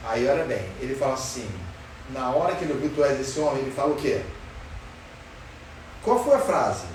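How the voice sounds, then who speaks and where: A man's voice: medium pitch, big pitch swings, a little fast, a little mellow. A man teaches a Sunday school Bible lesson, questioning his class in an emphatic way. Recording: roomy far-off sound with faint noise.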